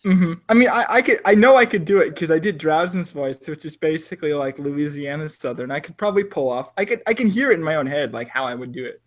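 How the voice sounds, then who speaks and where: A man's voice: on the high side, lively intonation, fast talker, few pauses. A man from South Florida with no accent, running a tabletop game as game master and talking casually with lots of fillers. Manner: chatty, full of "like" and restarts.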